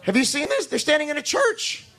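Hoarse male pastor, high-pitched, repetitive and emphatic preaching style. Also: big pitch swings, fairly quick, pushed and bright. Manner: talks to the congregation directly, asking for amens. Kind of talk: sermon.

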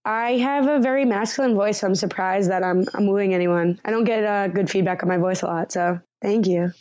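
A woman co-hosting a reality TV recap podcast in casual chat, laughing often and retelling scenes with animated quotes. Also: medium pitch, a little fast, dull audio. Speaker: podcast co-host.

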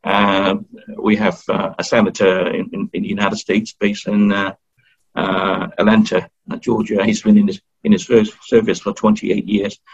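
Low voiced aussie guy, lots of uhs and restarts, kinda muffled recording. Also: little pitch movement, normal speed, husky. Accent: Australian. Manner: hesitant, full of fillers and restarts. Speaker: guest. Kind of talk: casual interview talk. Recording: dull lo-fi recording.

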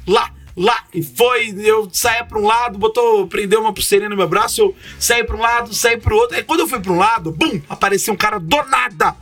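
A man telling a travel story in casual chat, swearing often and bursting into shouted voices. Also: high-pitched, fairly quick, few pauses, soft background music.

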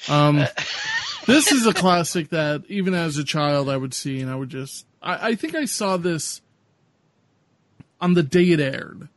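A man's voice: fairly high pitch, dry recording. A man co-hosting a casual podcast, chatting and laughing about old commercials. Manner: laughing, nostalgic. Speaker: podcast co-host.

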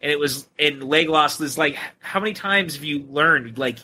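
This man, co-hosting a podcast, has a voice on the high side, a moderate pace, and a bright, forceful tone. He casually and eagerly walks through a film's scenes, quoting lines as he goes. Slight background noise is present.

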